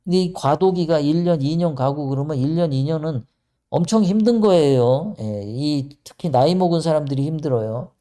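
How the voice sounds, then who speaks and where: Male political commentator: middle-aged, dark-toned, emphatic, prone to sarcastic rants. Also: fairly high pitch, moderate pace. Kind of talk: solo political commentary monologue.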